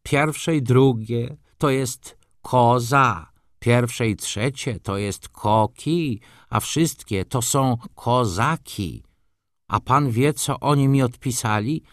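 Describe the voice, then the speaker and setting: A man's voice: mid-range voice, slow pace, no echo, clean studio sound, pitched above the performer's own voice, close to an everyday voice. A man voicing an elderly, grey-bearded Jewish moneychanger who chats and complains in broken, old-fashioned grammar. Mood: grumbling, chatty.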